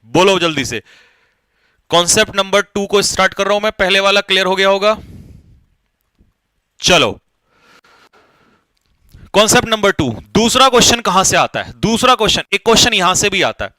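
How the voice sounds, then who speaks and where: In an online exam-prep lesson on English grammar, a man with a high, bright, expressive voice urges his students to hurry. He talks at a normal speed with frequent pauses, often posing questions and answering them himself. The recording is dry and close-miked.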